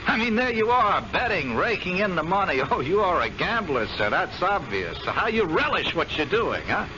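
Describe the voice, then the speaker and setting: An actor playing a smooth, sneering gambling-club blackmailer who gloats in an old radio drama. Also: male voice, high-pitched, big pitch swings, normal speed. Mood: gloating. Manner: silky, gloating, amused. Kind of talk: 1970s radio drama acting. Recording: lo-fi vintage radio with clear hiss.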